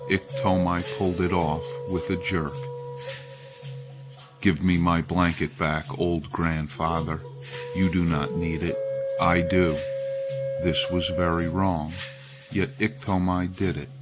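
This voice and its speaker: A man reading a legend as scripted storybook narration, in a measured, deliberate way. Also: low-pitched. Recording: loud music behind the voice. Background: loud music.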